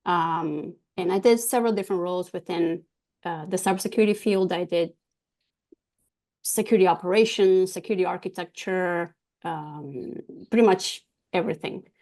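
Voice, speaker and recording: A woman from Argentina whose first language is Spanish, a guest talking about her business in an interview, pausing often with ums and restarts. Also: on the low side, darkish tone. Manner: hesitant, many ums and restarts. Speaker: guest, cybersecurity business owner. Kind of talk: casual interview talk.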